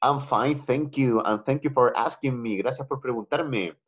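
Profesor chileno de inglés, voz ronca. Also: male voice, mid-range voice, measured pace, husky. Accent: Chilean Spanish. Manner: patient, switches between Spanish and English, repeats phrases. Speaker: English teacher. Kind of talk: online class teaching. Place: home, video call. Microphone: computer mic on a video call. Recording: dull lo-fi video call audio.

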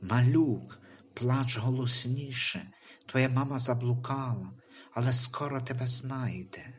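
A man's voice: medium pitch, takes it slowly, a little hiss or hum, close to an everyday voice. A man reading a tender guardian angel. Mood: comforting. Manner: calm, comforting.

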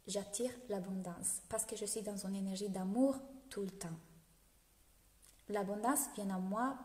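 A woman's voice: mid-range voice, a little mellow. A woman in her thirties with an Italian accent, a business coach talking live to her followers on a phone held at arm's length at home, laughing often and greeting viewers as she goes. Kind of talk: live video talk to followers. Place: home room indoors. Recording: echoey room with long reverb.

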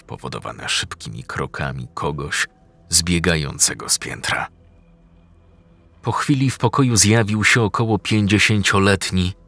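A man with a Polish accent narrating a horror story in a slow, measured, ominous way. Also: rumbling low, gravelly, pushed and bright, husky.

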